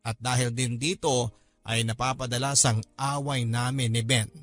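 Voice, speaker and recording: A man narrating a first-person letter as a radio story host, earnest, measured and expressive. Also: mid-range voice, no echo. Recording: music bed behind narration.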